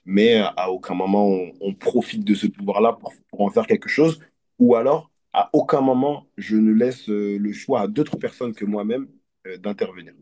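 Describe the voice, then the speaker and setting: A man from Côte d'Ivoire, a hypnotist, talking in an earnest, reflective and halting way as an interview guest. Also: fairly low pitch, a little mellow. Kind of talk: casual interview conversation.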